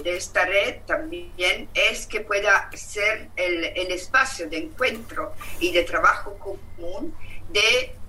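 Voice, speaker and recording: A woman with an Italian accent, speaking Spanish as a second language at an online meeting, halting with many fillers and restarts. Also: on the low side, bright, forceful tone. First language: not Spanish. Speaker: activist speaker. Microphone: video call. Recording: distant mic with faint hiss.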